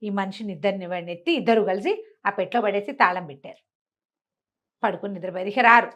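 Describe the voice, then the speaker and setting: An older woman telling a village folk tale, slipping into the characters' voices as she goes. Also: quick pace. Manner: acts out characters' lines with lively pitch swings. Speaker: storyteller. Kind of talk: animated folk-tale narration.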